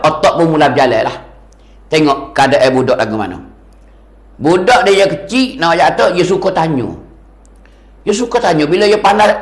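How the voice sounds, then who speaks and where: In an echoey room, a man with a slightly high voice delivers a sermon as a religious teacher. He is animated and repetitive, raising and lowering his voice for emphasis.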